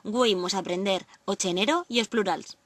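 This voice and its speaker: A woman presenting a language lesson, reading example words slowly and deliberately. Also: medium pitch, no echo, distant mic. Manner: clear, deliberate word-by-word reading. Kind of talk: scripted lesson narration.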